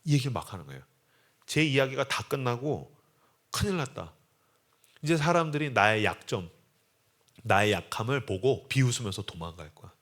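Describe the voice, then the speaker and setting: A man preaching a sermon as a guest revival speaker, telling stories with lively, acted-out delivery. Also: medium pitch, brisk. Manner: animated storytelling that acts out voices.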